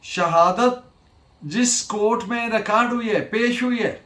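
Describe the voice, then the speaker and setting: A man with a Pakistani accent giving a lecture in a deliberate, didactic way, repeating his key phrases. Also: sits high, fairly bright tone. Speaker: law lecturer. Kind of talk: lecture on legal principles, mixing Urdu and English. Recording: echoey, roomy sound.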